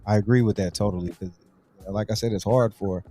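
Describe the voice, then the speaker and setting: A man's voice: on the low side, fairly even intonation, fairly quick, mellow, faint music behind. A man hosting a casual interview, talking in slangy, informal phrases and repeating words as he works toward questions. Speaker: talk show host, interviewer.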